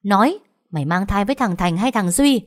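A woman's voice: medium pitch, expressive, a little fast, voice pushed up, natural voice. A woman voicing a harsh, accusing mother in an audio story, snapping at her servant.

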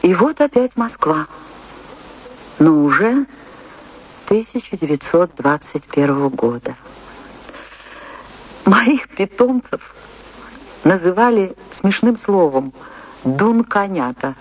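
A passionate woman dancer looking back on her life in a radio play. Her delivery is slow and deliberate, with sweeping intonation. She speaks expressively, dreamy one moment and ardent the next. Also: fairly low pitch, heavily acted, low-quality recording. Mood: nostalgic. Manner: expressive, dramatic, deliberate pauses. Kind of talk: theatrical Russian radio drama, monologue and dialogue.

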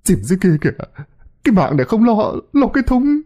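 A man's voice: sits high, sing-song, a little fast, warm tone, pitched above the performer's own voice, exaggerated voice. A man voicing a terrified fisherman in an audio horror story, whining and whimpering in panic. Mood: whining, fearful.

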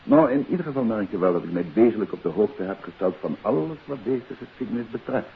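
An actor playing a composed amateur detective in a 1950s radio drama, questioning in a measured, insistent way. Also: male voice, fairly low pitch, sing-song, gravelly. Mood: calm, probing. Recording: hissy old phone-like radio recording.

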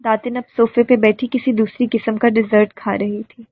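A woman narrating a novel as an audiobook, reading scenes with even storytelling. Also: on the high side, slightly rough, no room sound. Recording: dry tinny phone-like recording.

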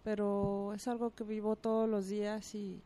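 A woman's voice: medium pitch, little pitch movement, moderate pace, dark tone. A woman, a guest and mother on a radio talk show, thoughtful and searching for words.

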